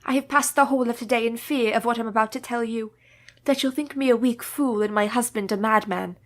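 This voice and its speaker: Capable young wife, devoted and formal, voiced by a woman, slightly high voice, radio play. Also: a little fast, lightly acted. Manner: polite, earnest, formal speech.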